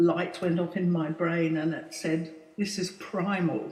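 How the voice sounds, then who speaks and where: A woman's medium-pitched voice, fairly even in intonation and fairly slow, with audible room echo and noticeable background noise. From Australia. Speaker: voice teacher and former opera singer. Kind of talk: conference talk.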